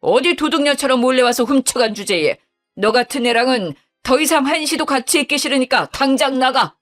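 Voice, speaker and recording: A woman's voice: high-pitched, a little fast, a bit bright, soft background music, voice pushed up. Woman voicing a firm, commanding older father-in-law figure for a narrated story. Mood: stern. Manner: stern, commanding.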